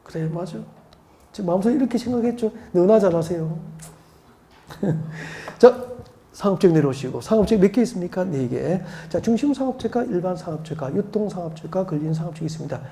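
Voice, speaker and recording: A woman's voice: on the low side, expressive, a little fast, warm tone, slight background noise. A woman from Seoul giving an exam-prep lecture, firing rhetorical questions and drilling mnemonics by repetition. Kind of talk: classroom lecture.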